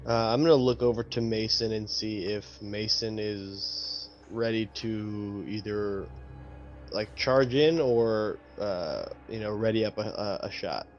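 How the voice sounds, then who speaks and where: A man's voice: lowish voice, a little slow. A man chatting casually as a player in a tabletop game, thinking aloud with some hesitation. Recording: slightly dull, lo-fi voice audio.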